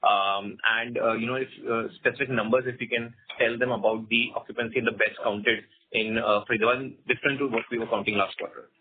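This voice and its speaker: A man's voice: medium pitch, steady tone, brisk, hardly any pauses. A man with an Indian accent speaking assertively as a company executive answering questions on an earnings call, with frequent "you know". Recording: muffled narrow phone conference line.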